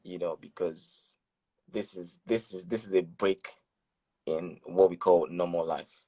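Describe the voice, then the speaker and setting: A young man in his twenties with a very deep voice speaks in a casual chat with a friend. He talks deliberately and leans on his key words. The sound is dry and close. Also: mellow, breathy edge, no echo. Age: 20s. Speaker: PhD student guest. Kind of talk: casual conversation.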